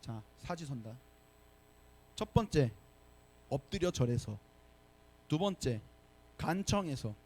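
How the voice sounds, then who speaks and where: Animated high-voiced male preacher. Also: takes it slowly, long pauses. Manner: animated, asks the congregation questions. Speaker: pastor. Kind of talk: sermon to young adults. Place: church sanctuary.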